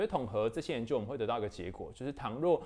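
Over a silent background in a very clean recording, a man at medium pitch makes very wide pitch swings. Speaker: podcast host and psychology researcher. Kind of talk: casual talk monologue on relationships.

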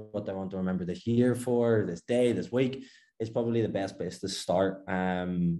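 With a Northern Irish accent, a man speaks at a fairly low pitch. His tone is dark and mellow, and his pitch varies in an ordinary way. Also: very clean recording, silent background. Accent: Northern Irish (Belfast). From Belfast, Northern Ireland. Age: 20s. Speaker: fitness coach. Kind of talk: interview conversation.

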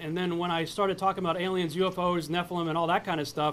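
The man's voice is loud. His pitch sits high. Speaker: speaker presenting on Bible cosmology. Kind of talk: lecture. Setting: live event with audience.

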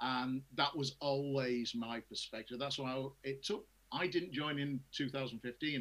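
A man with a Cheshire accent, a medium pitch, ordinary pitch variation and a fairly slow pace. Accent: northern English, Cheshire. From northern England. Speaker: Labour party activist. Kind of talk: casual panel discussion.

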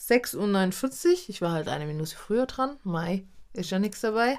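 A woman speaks with an unremarkable speaking voice at a medium pitch. Her intonation is lively and her pace fairly slow. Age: 20s. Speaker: social worker. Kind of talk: casual chat.

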